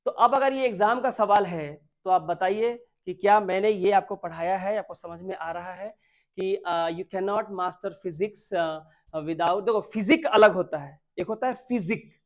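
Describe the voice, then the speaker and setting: A man with an Indian accent teaching an exam-prep grammar lesson, repeating points and putting questions to his students, and reading English sentences out slowly word by word. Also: high voice.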